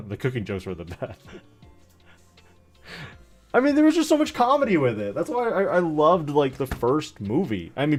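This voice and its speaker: A man in his thirties chatting casually on a livestream, rambling and joking in an animated way as he tells stories. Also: medium pitch. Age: 30s. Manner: rambling, animated, jokey storytelling. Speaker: streamer opening trading card packs.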